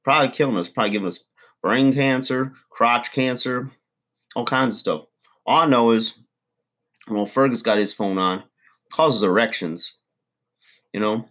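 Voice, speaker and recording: A man's voice: medium pitch, normal speed, pauses often, a bit bright, lightly acted. A man playing a crude, boastful middle-aged redneck uncle, rambling folksy advice in a comedy monologue.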